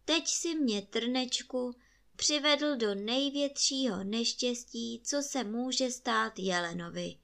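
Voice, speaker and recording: Woman doing a sorrowful gentle stag. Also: on the high side, vocal fry. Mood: sad. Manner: sorrowful, slow. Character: sad gentle male stag. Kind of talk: bedtime storytelling.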